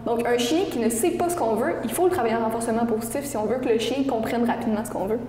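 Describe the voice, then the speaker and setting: A woman's voice: fairly high pitch, fast, warm tone, roomy sound, in a large hall, faint music behind. A woman dog trainer with a Québécois French accent, patiently explaining training methods with everyday examples in an interview.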